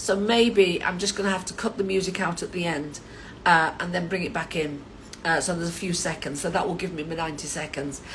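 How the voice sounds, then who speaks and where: Amid noticeable background noise and audible room echo, a woman with a fairly low pitch speaks at a fairly quick pace with fairly even intonation. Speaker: life coach and livestream host. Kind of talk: casual live stream chat. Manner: hesitant, many fillers.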